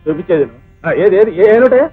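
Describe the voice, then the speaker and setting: A man playing a hotel owner in a film drama, who scolds and accuses a boy in a sharp, harsh way, on a tinny old soundtrack. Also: sits high, animated, rapid-fire, slightly rough, soft background music. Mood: scolding.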